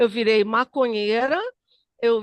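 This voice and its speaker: The sound is close and dry, without any echo. It is a woman who talks. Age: 60s. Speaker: study group participant. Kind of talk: informal discussion.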